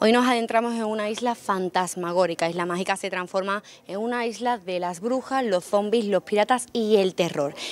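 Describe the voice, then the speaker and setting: A woman talks at a moderate pace with hardly any pauses and ordinary pitch variation, in a dry sound with no echo. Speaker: TV reporter. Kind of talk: news reporting. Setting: outdoors on location. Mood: playfully scared. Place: street. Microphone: handheld.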